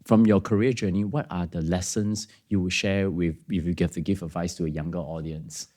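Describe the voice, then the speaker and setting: Deep-voiced male podcast host. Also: fairly even intonation, warm tone. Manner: measured, with brief acknowledgements. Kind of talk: podcast interviewing.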